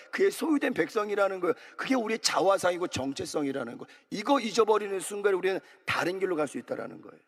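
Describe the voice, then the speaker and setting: The long reverb of a big church hall surrounds a pastor's fairly high, gravelly voice. He is preaching an early morning sermon, exhorting the congregation and prompting amens and repetition.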